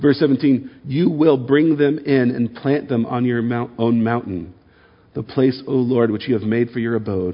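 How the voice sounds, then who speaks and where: A man with an American accent and an ordinary speaking voice, at a moderate pace with ordinary pitch variation. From US Pacific Northwest (Washington). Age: 30s. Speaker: pastor. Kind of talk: sermon.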